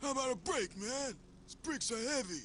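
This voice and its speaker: In a cartoonish character voice pitched extremely high, a man speaks at a moderate pace with lively intonation over clear background noise. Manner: joking, teasing.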